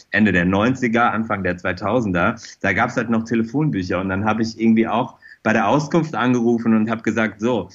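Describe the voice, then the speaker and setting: A man's voice: fairly low pitch, dull audio. A middle-aged man chatting casually as an interview guest, telling personal anecdotes in an enthusiastic, rambling, effusive way. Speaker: interview guest, fashion designer.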